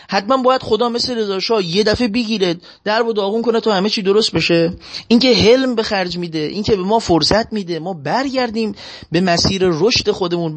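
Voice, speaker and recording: Lively, animated male preacher. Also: high-pitched. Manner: lively storyteller, animated, chants scripture slowly. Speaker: religious preacher. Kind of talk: sermon with storytelling.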